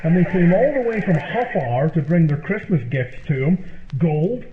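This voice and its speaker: A man's voice: a little high, sing-song, normal speed. A man performing an old-time radio comedy sketch, explaining earnestly and with indignation. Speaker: comedy show host performer. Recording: narrow tinny, roomy, faintly noisy radio sound.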